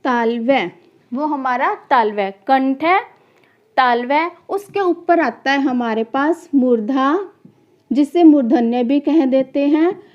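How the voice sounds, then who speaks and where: A woman with a high voice teaches a grammar lesson at an unhurried, deliberate pace. She poses a question, then answers it herself, repeating each key term for her students. The recording is slightly dull and lo-fi. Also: animated. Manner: addresses students as children. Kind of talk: classroom lesson for exam students.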